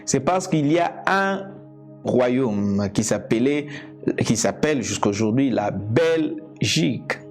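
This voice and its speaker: A man from Congo whose first language is Lingala, preaching a teaching sermon in a slow, deliberate way, repeating and restarting phrases. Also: mid-range voice, expressive, soft background music. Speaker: evangelist preacher. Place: indoors, seated.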